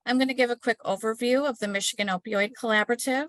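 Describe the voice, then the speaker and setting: A woman hosting an online webinar, reading announcements and introducing the speaker in a steady, scripted way with small slips, over a computer mic on a video call. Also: fairly high pitch, quick pace, no echo. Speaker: webinar host.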